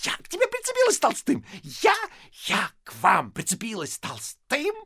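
Man voicing a young wife in a falsetto, tearful, stubborn, shrill sobbing, storybook reading. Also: lively intonation, quick pace, no room sound, studio quality.

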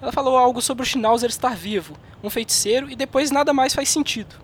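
Woman playing quick-talking blunt Brazilian crewmate. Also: high-pitched, slight background noise, natural voice. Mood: worried. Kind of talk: audio drama acting.

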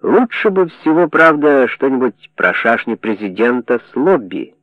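Мужчина-чтец играет циничного западного журналиста, говорит резко и напористо. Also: male voice, mid-range voice, sing-song, a little slow, no room sound. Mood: brash. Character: cynical Western journalist, brash man. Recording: dry narrow phone-like sound.

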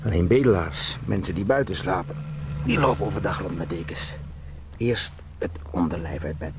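An actor playing an anxious travelling salesman in a radio drama, muttering haltingly and repetitively to himself in a gravelly voice. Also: deep voice, lively intonation, background noise. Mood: bewildered, rationalizing.

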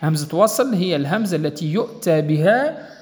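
A male teacher giving a recitation lesson, explaining each rule patiently and often pausing to ask whether it is clear. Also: a little high, animated, darkish tone, big-room sound. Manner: patient, repeats points and checks understanding.

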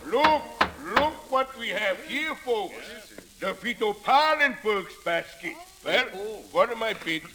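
A man's voice: sits high, animated, takes it slowly, very noisy. A man playing a jovial country auctioneer in an old radio drama, calling bids with chuckling showman patter. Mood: hearty.

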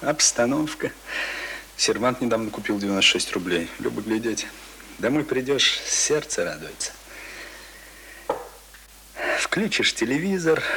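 An actor playing a talkative, pompous middle-aged print worker in a Russian radio play, boasting in folksy colloquial speech. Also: male voice, medium pitch, fairly bright tone, a little hiss or hum, poor audio. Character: talkative middle-aged male print worker, self-important former drinker. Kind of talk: Russian radio drama acting.

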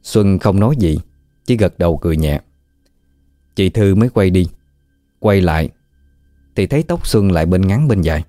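A man with a Southern Vietnamese accent narrating a ghost story in a measured way. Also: low-pitched, lively intonation, mellow, no room sound. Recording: dry close mic with faint music.

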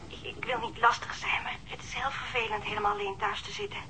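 An actress playing a lonely, anxious wife in a radio drama, hesitant, apologetic, tender and pleading. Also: female voice, on the high side, sing-song, fast, noisy background. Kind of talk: naturalistic radio drama acting.

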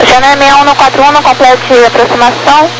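A woman's voice: high-pitched, flat delivery, fast. A Brazilian woman working as an air traffic controller, giving procedural instructions over a crackly aviation radio. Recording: noisy crackly radio transmission.

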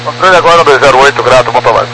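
A man's voice: mid-range voice, racing, sharp tone. A man with a Brazilian Portuguese accent, a pilot making clipped, formulaic radio calls over a cockpit headset. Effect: pilot speaking over a cockpit headset radio. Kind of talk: air traffic radio calls. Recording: noisy aviation radio channel.

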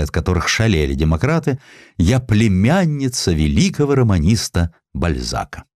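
Deep-voiced man narrating history with drama. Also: no echo, clean studio sound. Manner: expressive, theatrical storytelling. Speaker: audiobook narrator.

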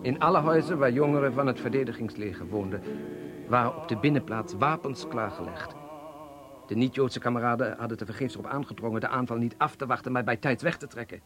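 An actor playing an earnest young Polish-Jewish revolutionary in a Dutch radio play, lecturing with hesitant pauses. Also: male voice, medium pitch, a crowd in the background, close to an everyday voice. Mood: grave, recollecting. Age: young adult.

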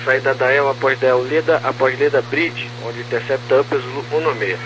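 A man's voice: mid-range voice, fairly even intonation, a little fast, muffled recording. A man working as an air traffic controller, giving clipped procedural instructions over a walkie-talkie style radio. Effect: over walkie-talkie style two-way radio. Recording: noisy two-way radio, loud hum and static.

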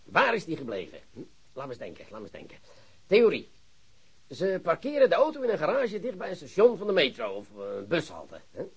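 An actor playing an excitable, boastful police chief who lectures his colleagues in a radio play. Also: on the high side, a little fast, gravelly, husky, exaggerated voice. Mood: excited, lecturing. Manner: animated, theatrical, lecturing colleagues. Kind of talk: Dutch radio drama acting.

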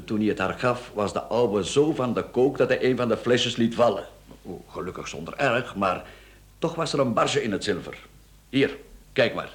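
A Flemish man acting in a radio play as a smooth-talking, cheeky rogue, glib, flippant and teasing. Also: medium pitch, animated, normal speed, close to an everyday voice. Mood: amused, confiding. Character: smooth-talking, cheeky male rogue, a performer under questioning. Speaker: radio drama actor.

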